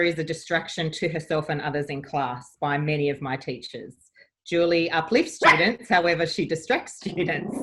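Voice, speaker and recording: A woman in her forties from Australia reminisces about her childhood as a podcast guest, chatty and upbeat in casual interview talk. Her voice is on the low side and a bit bright.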